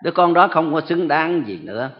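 A man preaching a sermon slowly and emphatically, often turning to address his listeners, in a church hall on a dull, echoey recording. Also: fairly high pitch, animated.

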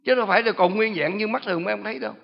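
Shrill mocking demon a preacher puts on, high and loud, muffled echoey hall. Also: male voice, racing, vocal fry. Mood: gloating. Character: boastful taunting demon possessing a young woman.

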